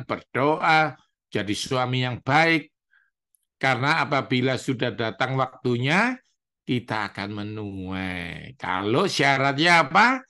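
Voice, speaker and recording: A male pastor, preaching a sermon in a lively, animated way. He acts out the complaints of church members in raised voices. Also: mid-range voice.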